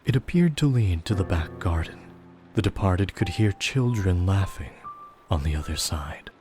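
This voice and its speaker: A man narrating a gothic audio drama as a somber storyteller, grave, measured and literary. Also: low voice, lively intonation. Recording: loud music behind the voice.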